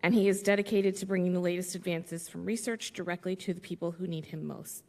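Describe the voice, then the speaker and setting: A woman's voice: on the low side, steady tone, fast talker, a little mellow. A woman moderating a symposium, introducing the next speaker in an informal, joking way. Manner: informal, repeats words, joking. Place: large conference hall. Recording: echoey conference hall.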